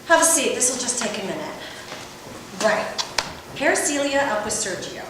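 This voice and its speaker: A woman's voice: fairly high pitch, lively intonation, normal speed, lightly acted. A woman playing a brash, sardonic adult-film producer and agent in a script read aloud, with a wry, teasing, theatrical manner. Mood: brisk, exasperated. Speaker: actor at a table read. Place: echoey room at a table read. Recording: distant mic in echoey, noisy room.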